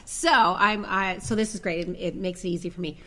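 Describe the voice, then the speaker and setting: A woman co-hosting a podcast, chatty and quick to laugh while telling stories. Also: on the low side, fairly even intonation, fairly bright tone. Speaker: podcast co-host, veterinarian. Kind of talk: casual podcast chat, storytelling.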